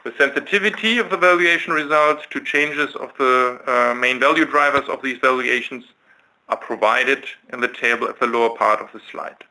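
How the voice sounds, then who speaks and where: A man giving a scripted financial results presentation as a chief executive, in a formal, measured manner. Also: mid-range voice, pushed and bright, rough recording. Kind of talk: scripted financial presentation on an investor conference call.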